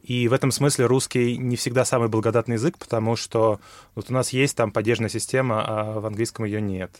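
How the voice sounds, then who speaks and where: A man talks fast and at length, explaining his ideas with plenty of fillers and self-corrections. The sound is dry and close, with no room around it. His pitch sits in an ordinary middle range. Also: fairly even intonation, no echo. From Russia. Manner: fast, thinking aloud with many fillers and restarts. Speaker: guest, English teacher. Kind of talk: explanatory conversation.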